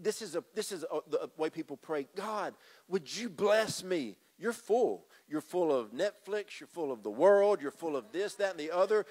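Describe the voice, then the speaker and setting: A middle-aged man delivers a sermon into a handheld microphone, his voice sitting a little higher than most men's. He talks straight to the congregation, pressing his points by repeating phrases as he moves about the stage. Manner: emphatic, repeats phrases, addresses congregation directly. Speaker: pastor. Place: church stage with drum kit. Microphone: handheld mic.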